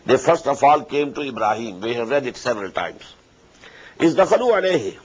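A man in his seventies with a South Asian accent and a husky, aged voice, explaining scripture verse by verse as an Islamic scholar, phrase by phrase with emphatic pauses. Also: medium pitch, expressive, rough recording. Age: 70s. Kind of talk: verse-by-verse scripture commentary alternating recitation with translation. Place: indoors at a desk before curtains, recorded lecture.

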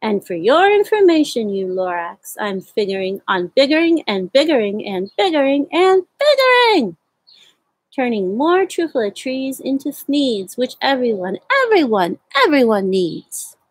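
A woman voicing a greedy, defiant male factory owner in a storybook reading, with a lowered, gruff delivery. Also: very animated, measured pace, dry recording.

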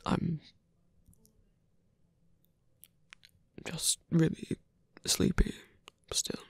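A man playing a wounded villain in love, teasing and tender, murmuring haltingly in an intimate ASMR roleplay. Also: no room sound, lightly acted. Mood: shy, moved. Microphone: close mic, dry.

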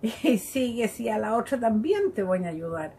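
A woman giving a devotional Bible reflection to her listeners in a gentle, conversational way, laughing often. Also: a little high, sing-song, moderate pace, a little hiss or hum. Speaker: lay preacher.

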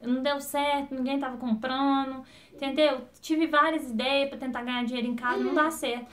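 A woman's voice: high-pitched, steady tone, a bit bright. A woman vlogging casually to camera, rambling and jumping between topics as she talks to her viewers. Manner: chatty, quick-talking, addresses viewers directly.

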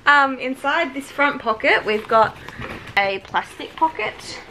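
A woman chatting casually at home as she reviews a product, with children nearby. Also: high-pitched. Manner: chatty and relaxed, with many "like" fillers. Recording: clearly noisy home recording.

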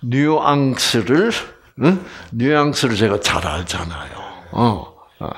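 Gyeongsang guy teaching bible class, voice swoops all over, slow deliberate delivery. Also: mid-range voice, breathy edge. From Gyeongsang Province, Korea. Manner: animated, keeps quizzing the audience. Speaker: Bible lecturer. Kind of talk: lively Bible lecture to an audience.

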